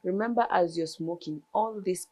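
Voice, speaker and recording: A woman's voice: fairly low pitch, moderate pace, a little mellow. A woman ENT surgeon, explaining throat health in a TV interview with examples. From Kenya.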